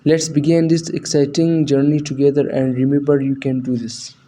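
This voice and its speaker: Male English teacher, South Asian accent, native Urdu or Hindi speaker. Very mellow tone, flat intonation, scripted and encouraging instructional read. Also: mid-range voice, normal speed. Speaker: English teacher introducing an online course. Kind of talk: scripted lesson narration.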